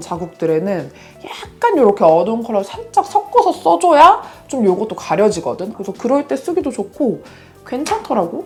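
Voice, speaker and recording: Very wide pitch swings over music in the background. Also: woman. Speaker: beauty YouTuber. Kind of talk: casual talk to camera. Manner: casual, chatty.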